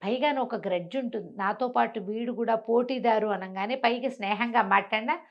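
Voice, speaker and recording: Higher-voiced Telugu woman telling a folk tale. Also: a little fast, highs cut off. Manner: conversational, asks rhetorical questions and answers them. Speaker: storyteller. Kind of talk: animated oral storytelling of a folk tale to a listener.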